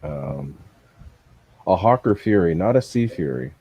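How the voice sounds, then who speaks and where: A man's voice: low-pitched, animated, measured pace, warm tone, slightly rough, no echo. A man in casual chat, thinking aloud with many ums as he talks.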